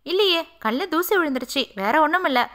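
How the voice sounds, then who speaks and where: A woman voicing a shy, gentle young maid. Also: high-pitched, expressive, normal speed. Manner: soft, hesitant.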